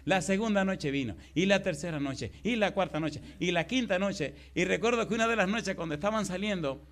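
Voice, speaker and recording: A man preaching a live sermon to a congregation, telling stories and building to loud, emphatic cries. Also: high-pitched, fairly quick. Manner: retells conversations, acting out each speaker. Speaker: pastor. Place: church before a congregation.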